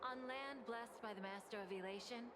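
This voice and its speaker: A woman's voice: fairly high pitch, brisk, a crowd in the background, natural voice. A woman playing a relentlessly cheerful game recruiter who preaches smiling in an insistently chirpy way. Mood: insistently cheery. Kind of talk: video game voice acting.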